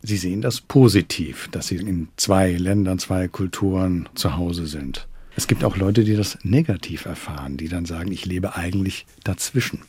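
A man hosting a radio culture program, asking measured, polite questions in the studio. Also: low voice, darkish tone, breathy edge, no room sound. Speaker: radio host. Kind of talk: radio interview. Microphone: studio microphone.

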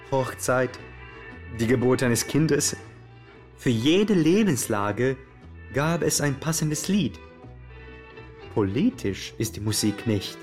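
A man's voice: mid-range voice, close to an everyday voice. Guy playing flamboyant radio host, scripted dramatic storytelling, talks right to listeners, bit of music behind. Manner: rhetorical, theatrical, addresses listeners directly. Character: Yugo Slaven, flamboyant male Yugoslav radio presenter. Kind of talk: scripted radio show narration with dramatic flourishes.

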